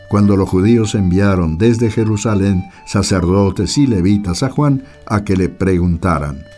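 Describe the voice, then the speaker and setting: Slow, mellow male narrator over music. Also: fairly low pitch. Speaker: narrator and scripture reader. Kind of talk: solemn scripted narration.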